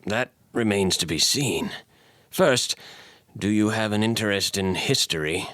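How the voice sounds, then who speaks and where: A man playing a haunted, cryptic blind old ex-preacher in an audio drama, speaking deliberately and portentously in old-fashioned phrases. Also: lowish voice, expressive, a bit bright, dry recording, clean studio sound. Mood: ominous storytelling. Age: older.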